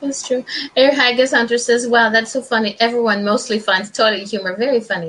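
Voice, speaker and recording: A woman with a normal speaking voice talks at a fairly quick pace, with a fairly high pitch and fairly even intonation. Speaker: podcast host. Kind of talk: casual chat.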